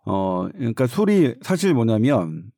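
A man's voice: mid-range voice, sing-song, a little slow, creaky, dark tone, dry recording, studio quality. A man speaking as an expert guest, explaining science step by step in a conversational way with everyday analogies.

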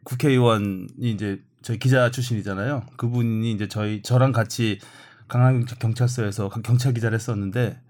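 A man's voice: on the low side, fairly even intonation, brisk, a little mellow. A middle-aged man hosting a casual football talk show, chatting easily and reading out listener comments. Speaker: host.

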